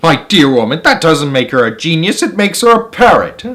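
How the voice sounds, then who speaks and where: A man voicing a loud, domineering middle-aged headmistress who barks and scoffs in a children's storybook reading. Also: fairly high pitch, sing-song, normal speed. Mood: contemptuous. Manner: barking, shouting, scornful. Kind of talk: children's storybook read-aloud.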